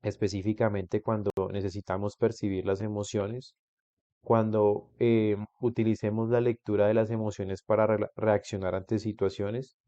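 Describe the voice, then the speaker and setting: A man's voice: lowish voice, flat delivery, normal speed, dark tone, no echo. A man teaching an online class, explaining step by step and putting questions to a student, with frequent restarts. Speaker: instructor. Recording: dull lo-fi recording.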